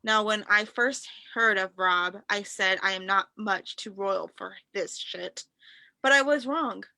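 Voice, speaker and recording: Haughty, smug wrestler prince read by a woman, bright forceful voice, close dry sound, halting taunts. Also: medium pitch, gravelly, no room sound, exaggerated voice, rough recording. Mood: smug, mocking. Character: arrogant royal wrestler prince, smug and scornful. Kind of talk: staged reading of wrestling promos.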